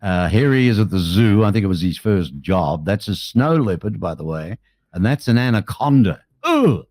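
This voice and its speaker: A man's voice: fairly low pitch, expressive, moderate pace, darkish tone, dry recording. An Australian man hosting a casual interview show in a chatty, matey, colloquial way. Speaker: show host.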